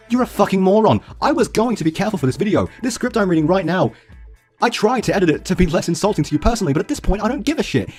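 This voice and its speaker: A man's voice: high-pitched, darkish tone, slightly rough. A man in his twenties reads a scripted rant. He talks in a heated, profane way and throws insults. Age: 20s. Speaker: YouTuber responding to a critic.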